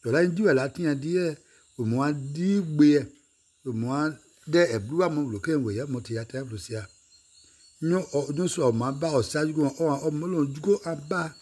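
A man's voice: on the high side, normal speed, a little mellow, slightly rough. A man singing or chanting in a repetitive way, returning again and again to short refrains. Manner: repeats short refrains over and over.

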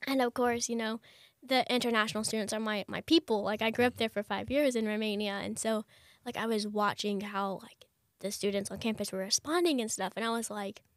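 A young woman, a chatty interview guest who talks fast with lots of fillers. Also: mid-range voice, steady tone, no room sound, clean studio sound. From United States. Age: young adult. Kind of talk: conversational interview.

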